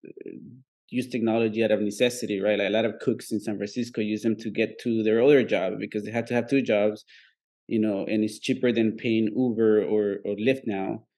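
A man's voice: lowish voice, steady tone, a little mellow. A man co-hosting a podcast who talks in a casual, rambling way and halts often on fillers. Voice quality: gravelly. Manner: rambling, halting with many fillers. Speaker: co-host.

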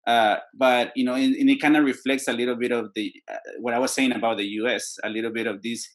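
A man's voice: mid-range voice, flat delivery, fast talker. A man in casual conversation, speaking hesitantly with many fillers and a reflective tone.

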